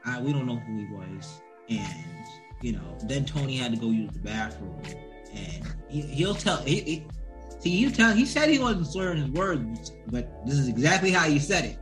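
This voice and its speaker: A man in a middle-pitched voice that swings widely up and down as he jokes around. He banters in slang with his co-host on a podcast. His delivery stays playful and animated. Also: moderate pace, music in the background, poor audio. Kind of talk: casual chat.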